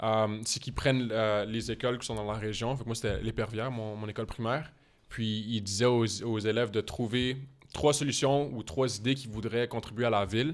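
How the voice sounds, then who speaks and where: Medium-pitched man at a moderate pace with fairly even intonation. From Quebec (Rigaud). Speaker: marketing strategist and former model. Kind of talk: podcast interview. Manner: hesitant, many repetitions and fillers.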